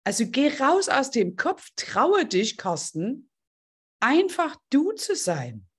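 A woman leads a group coaching session in a gushing, heartfelt manner. Her voice is a little breathy and husky, sitting slightly high, and her pitch leaps about with lively expression. She talks openly to each participant. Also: slow. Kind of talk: casual online group coaching.

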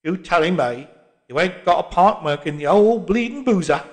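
Man doing loud, slow, gruff old geezer, cantankerous. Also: high-pitched, expressive, voice pushed up. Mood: grumbling. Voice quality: gruff, pugnacious. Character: grumbling old working-class London man. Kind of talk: audiobook character voice.

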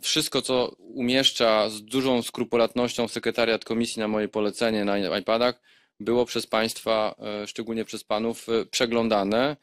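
A man's voice: fairly low pitch, little pitch movement, no echo, studio quality. Man chairing a formal hearing. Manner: measured, admonishing, many hesitations. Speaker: committee chairman.

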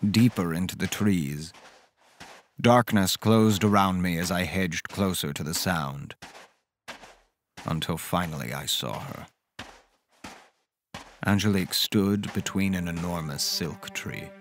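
An actor playing a smitten, gentlemanly man recounting a dark horror romance in an audio drama. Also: sits low, takes it slowly, long pauses, slight background noise. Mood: tense, dread. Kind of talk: dramatic first-person audio drama narration.

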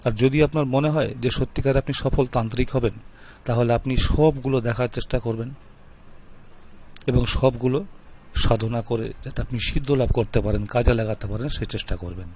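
A man hosting his own channel speaks straight to his viewers, slow and deliberate. He repeats himself often and keeps adding reminders, in a voice of middling pitch. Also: darkish tone, slight background noise. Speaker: YouTube channel host teaching mantras. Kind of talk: talking-to-camera instruction.

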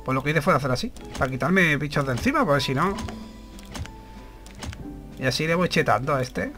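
A man's voice: on the high side, lively intonation, a little fast, pushed and bright, soft background music. A man doing casual gameplay commentary, chatting to his viewers and swearing now and then. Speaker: gaming channel host.

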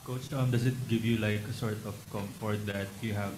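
Low, flat Filipino reporter, echoey room. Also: male voice, moderate pace, music in the background. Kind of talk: hesitant press question. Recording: echoey, noisy, off-mic press room.

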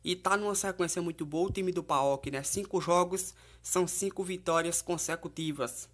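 A man's voice: high-pitched, normal speed, a bit bright. A man with a Brazilian accent presenting informal football betting previews as a tipster, in a conversational way with frequent tag questions. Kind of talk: informal match preview and betting tips commentary.

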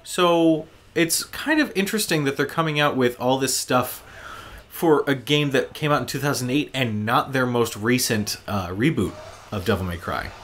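A man's voice: medium pitch, moderate pace, fairly bright tone, a little hiss or hum. A man hosting a gaming show, giving casual gameplay commentary in an informal, enthusiastic fan's manner.

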